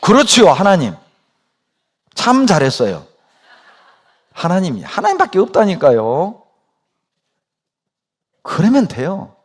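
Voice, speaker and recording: A man's voice: sits high, huge pitch swings, takes it slowly, long pauses. A male pastor preaching a sermon, speaking emphatically and asking his congregation rhetorical questions.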